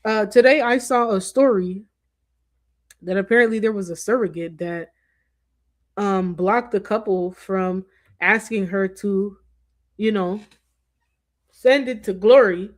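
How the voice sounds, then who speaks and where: Speaking a little slowly with long pauses, a woman with a medium-pitched voice gives casual commentary to her stream. She rambles, restarts, and wanders into asides as she chats.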